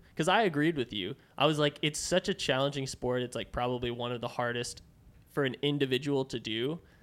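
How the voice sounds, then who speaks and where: Speaking fairly quickly in an unremarkable speaking voice, a man with an American accent keeps a medium pitch and ordinary pitch variation. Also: very clean recording, silent background. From Georgia, US South. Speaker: podcast co-host. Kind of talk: casual chat.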